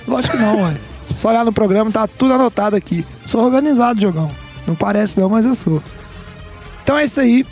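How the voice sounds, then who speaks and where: This sports podcast host speaks with a Brazilian Portuguese accent and a high-pitched, slightly mellow voice. In casual chat he stays upbeat and teases his co-hosts.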